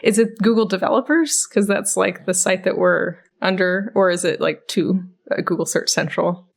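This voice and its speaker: Creaky-voiced woman thinking aloud. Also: lowish voice, normal speed. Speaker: podcast co-host. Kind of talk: casual panel chat.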